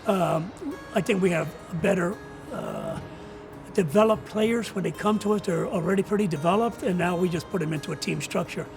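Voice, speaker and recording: Older man, high-pitched gravelly voice. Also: moderate pace, over music, low-quality recording. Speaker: retiring college soccer coach. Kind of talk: reflective interview answers.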